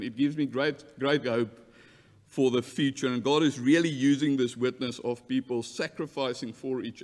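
A man in his thirties from South Africa with an Afrikaans accent, a church delegate earnestly addressing an assembly from a lectern, often restarting words. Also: mid-range voice. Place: large church hall. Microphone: lectern mic. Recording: long hall reverb.

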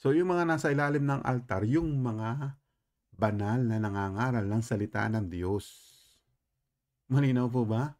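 A man teaches a Bible passage in an even, middle-range voice. His manner is courteous and full of respectful particles. He keeps putting questions back to the listeners and asks whether it is clear. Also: medium pitch, a little slow, pauses often. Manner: questioning, repeatedly checking understanding with listeners; polite, with frequent respectful particles. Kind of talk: explaining scripture to listeners.

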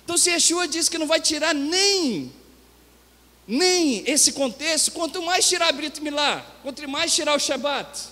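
A man's voice: very high-pitched, expressive, moderate pace, pushed and bright. A man preaching a sermon in a conversational style, talking to the congregation and rising to emphatic points. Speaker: pastor. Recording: reverberant church hall.

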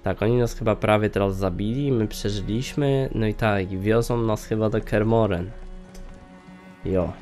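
A man's voice: on the low side, normal speed, a little mellow. A man with a congested, nasal voice giving rambling, self-questioning let's play commentary over faint game music. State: sick, congested. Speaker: gaming video host.

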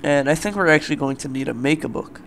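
A young man hosting a let's play, talking loosely with lots of fillers, his voice a bit raspy from the morning, at a desktop mic at home. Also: a little high, fast, fairly bright tone, slight background noise. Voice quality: loose, rambling, filler-heavy. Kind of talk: casual gameplay commentary.

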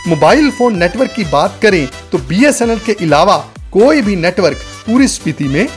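A man's voice: high-pitched, big pitch swings, moderate pace. A man narrating a travel guide as a scripted voice-over, speaking to viewers as friends. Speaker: travel vlogger. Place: voice-over, not recorded on location. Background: faint background music.

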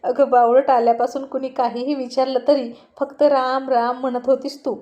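A woman's voice: sits high, level tone, moderate pace, warm tone, highs cut off, lightly acted. A woman voicing a confident, teasing young female friend. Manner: teasing, knowing.

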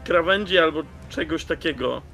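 Guy player in an online rpg, high bright voice, kinda halting, casual. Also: creaky. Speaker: player in a tabletop role-playing game. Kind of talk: casual game-table talk. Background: faint background music.

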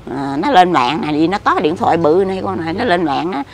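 A woman's voice: lowish voice, very animated, quick pace, slight background noise. An older woman, frail, chatting in a rambling, repetitive way as she is interviewed outdoors. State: frail, weak. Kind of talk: casual chat. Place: outdoors near a cemetery.

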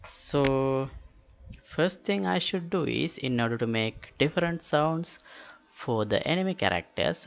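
A man walks through a software tutorial, slowly and haltingly. His voice has a creaky edge and stays matter-of-fact. The recording is dull and lo-fi. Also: mid-range voice. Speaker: tutorial host. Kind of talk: step-by-step software tutorial narration. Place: indoors, screen-recording voice-over. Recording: dull lo-fi voice-over with clicks.

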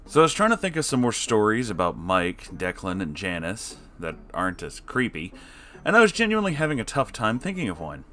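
A man reading an online story aloud, adding sarcastic asides to the listener in a lively voice that swings between loud and quiet. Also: on the low side, brisk, soft background music. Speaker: story reader.

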